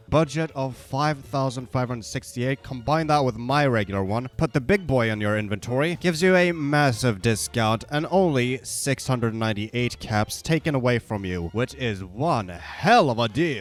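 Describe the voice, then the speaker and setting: Music plays in the background as a man speaks at a moderate pace with hardly any pauses. His medium-pitched voice has lively intonation. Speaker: gaming YouTuber. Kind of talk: comedic gameplay commentary.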